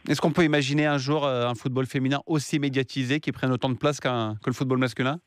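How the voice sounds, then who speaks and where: A man interviewing a guest on the radio, setting up each question with measured remarks. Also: medium pitch, steady tone.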